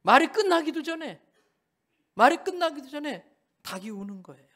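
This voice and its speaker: A man's voice: extremely high pitch, sing-song, normal speed, fairly bright tone. A male pastor preaching a sermon in a church sanctuary, telling a story with animation and firing questions back at the congregation.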